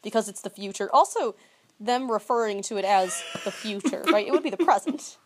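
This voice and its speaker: A woman's voice: mid-range voice, animated, brisk, slight background noise. A woman co-hosting a podcast in casual chat, talking with wry, sarcastic asides. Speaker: podcast co-host.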